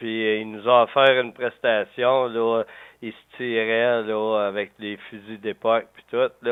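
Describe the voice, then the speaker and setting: With a Quebec accent, a man speaks at a medium pitch and a very slow pace. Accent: Québécois French. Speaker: political commentator. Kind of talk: radio talk show. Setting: studio. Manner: casual.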